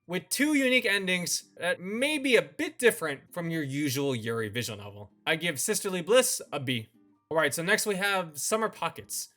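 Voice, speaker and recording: A man narrating a scripted video review as its host, presenting in a measured, announcer-like way. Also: a little high, pushed and bright. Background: background music.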